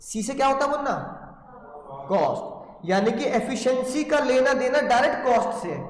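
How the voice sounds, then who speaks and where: Indian guy teaching a live class, really high voice, keeps quizzing the kids, big echoey room with long reverb. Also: normal speed, slight background noise. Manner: animated, quizzes students and has them repeat words loudly. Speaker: commerce teacher.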